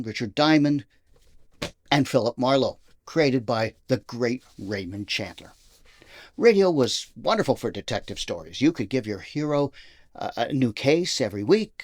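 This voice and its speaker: A man works as host and interviewer with a lively, varied melody in his voice. The sound is very dry, and he moves between prepared presentation and questions for a guest. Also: mid-range voice, dry recording. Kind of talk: scripted introduction, then interview questions.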